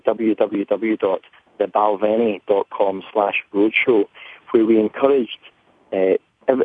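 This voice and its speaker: A man with a broad Scottish accent speaks as an interview guest in an earnest, conversational way. His voice is on the low side. It comes through a tinny, narrow phone line with a dry sound. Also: dry recording. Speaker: interview guest, brand representative. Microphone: telephone.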